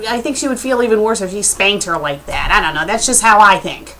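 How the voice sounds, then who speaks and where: A woman's voice: medium pitch, brisk, sharp tone, a little hiss or hum. A woman giving a casual video message as an online critic, speaking in an emphatic, indignant way. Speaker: online fan fiction critic.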